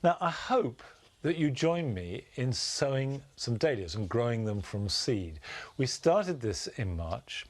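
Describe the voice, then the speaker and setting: A man presenting a gardening show outdoors in a garden, talking gently and with measured enthusiasm. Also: mid-range voice, big pitch swings, no room sound. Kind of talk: relaxed instructional garden presenting.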